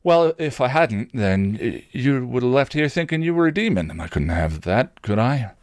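A man voicing a cocky, sardonic British vampire with slangy, gruffly kind talk in a story reading. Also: medium pitch, big pitch swings, moderate pace, a little mellow, no echo, clean studio sound, pitched above the performer's own voice, natural voice.

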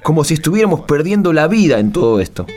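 A man's voice: a little high, very animated, fast. A man with an Argentine accent acting a frustrated, restless grown farm son in a radio drama, with a sardonic, grumbling delivery. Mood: apologetic, despairing.

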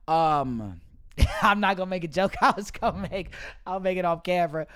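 Laid-back man with a smooth voice. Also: high voice, normal speed, a bit bright. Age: 20s. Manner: loose, laughing, slangy banter. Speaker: podcast host. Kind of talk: casual chat. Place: Houston area. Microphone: studio mic.

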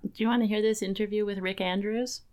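A woman hosting a podcast in casual chat, self-deprecating and quick to laugh. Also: mid-range voice, fairly even intonation, darkish tone, clean tone. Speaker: podcast host.

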